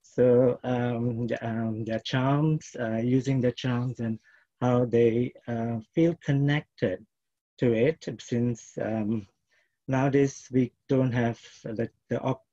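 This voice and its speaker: A middle-aged man from Malaysia, a dancer and choreographer, introducing his work haltingly with many fillers over a video call. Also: medium pitch, fairly even intonation, dark tone. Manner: hesitant, many restarts and fillers. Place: plain room at home. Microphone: laptop webcam on video call. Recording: dull lo-fi video call audio.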